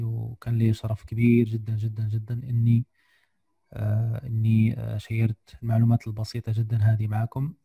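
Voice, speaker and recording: Tired man with a gravelly, dark voice. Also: on the low side, no room sound. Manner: hesitant, many fillers, mixes English terms. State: tired, slightly unwell voice. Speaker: guest lecturer. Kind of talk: screen-share software lesson.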